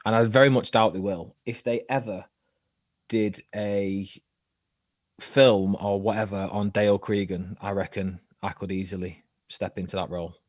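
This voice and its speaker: A man with a Manchester accent, a podcast guest who is an actor and comedian, teasing the host in deadpan, swearing often. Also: lowish voice, moderate pace, no echo. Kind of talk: casual banter.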